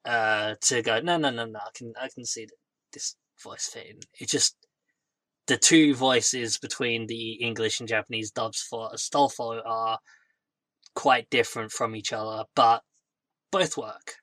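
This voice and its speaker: A man co-hosting a casual podcast, speaking haltingly with lots of fillers. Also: mid-range voice, fairly even intonation, fairly bright tone, dry recording. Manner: halting, with many fillers and restarts. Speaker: podcast co-host.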